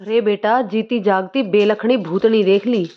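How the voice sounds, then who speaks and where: A woman's voice: medium pitch, a little slow, lightly acted. A woman voicing a harsh scolding mother-in-law. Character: cruel shouting village mother-in-law. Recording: dull lo-fi recording.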